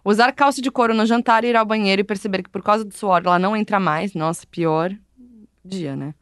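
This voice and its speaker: A woman's voice: medium pitch, brisk, fairly bright tone, no echo, clean studio sound. A woman co-hosting a casual chat, reading quiz questions and laughing easily. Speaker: podcast co-host.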